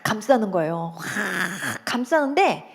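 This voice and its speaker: A woman's voice: medium pitch, big pitch swings, measured pace, creaky. A middle-aged woman pastor giving an emotional testimony sermon, acting out quoted dialogue and pleading cries, tearful at times.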